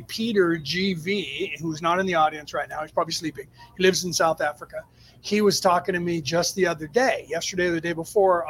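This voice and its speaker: A man's voice: high-pitched, slightly rough, low-quality recording. A man giving an off-the-cuff spiritual talk to a live chat, explaining emphatically in stop-and-start phrases. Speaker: spiritual teacher answering audience questions on a livestream.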